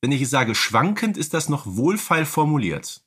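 A man's voice: on the high side, big pitch swings, normal speed, a bit bright, slightly rough. A man co-hosts a casual fan podcast. He speaks conversationally, with wry, mock-serious and slightly pedantic wording. The delivery is that of a humorous discussion between fans. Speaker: podcast host.

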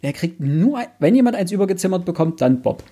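A man co-hosts a casual book podcast. His voice is mellow and a little rough, with a husky grain. He explains his points and piles up examples as he talks. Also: high voice, lively intonation, fast. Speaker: podcast co-host.

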